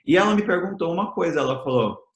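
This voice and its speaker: A man's voice: fairly high pitch, lively intonation, fast. A man from the United States with an American accent, preaching a conversational sermon as a missionary in a language that is not his first, often ending his phrases with a tag question. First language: English. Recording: roomy echo.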